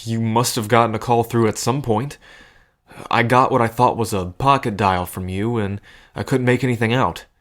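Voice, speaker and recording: Someone acting a stubborn protective friend, firm and caring, dry sarcasm, mid-pitched voice, audio drama. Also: fairly even intonation, moderate pace, lightly acted. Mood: concerned, wry.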